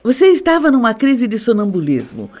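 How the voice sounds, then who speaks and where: A woman's voice: on the high side, big pitch swings, brisk, a little mellow. An actress playing a composed, condescending middle-aged stepmother in a radio soap opera, with a Brazilian accent and a theatrical manner. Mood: grave, insinuating.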